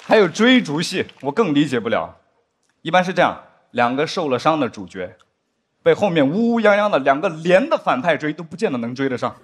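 A man performing a stand-up comedy set on a studio stage, acting out drama scenes with big pitch swings. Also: big pitch swings, fairly quick, slightly rough, a faint crowd. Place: studio stage with live audience.

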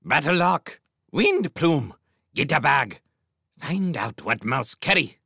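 A man's voice: a little high, big pitch swings, slow pace, creaky, pushed and bright, slightly rough, dry recording, clean studio sound, voice pushed up, full character voice. A man voicing a savage, wrathful sparrow king in an audiobook story, shrieking harshly and barking commands in broken, clipped grammar. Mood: bossy.

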